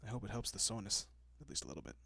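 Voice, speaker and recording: A man plays a courteous vampire gentleman in an intimate audio roleplay. His voice is low and husky, slipping often into whispers, captured very dry. He soothes and reassures with polite, old-fashioned tenderness and a quietly possessive air. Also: lively intonation, racing, no echo, exaggerated voice. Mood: gentle, reassuring. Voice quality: soft, breathy, often dropping to a whisper.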